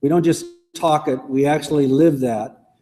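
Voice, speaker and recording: A man's voice: on the high side, steady tone, moderate pace, dark tone. A man who is a college president giving an earnest, emphatic formal address in a large civic hall. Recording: hall with long reverb.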